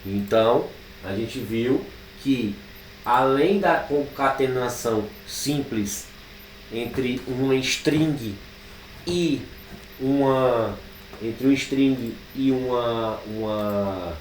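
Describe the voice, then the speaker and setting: A Brazilian man teaching programming, thinking aloud as he types code, with drawn-out fillers. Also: mid-range voice, far from the mic. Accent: Brazilian Portuguese. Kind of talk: live coding class. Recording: echoey room, speaker away from the mic, faint background noise.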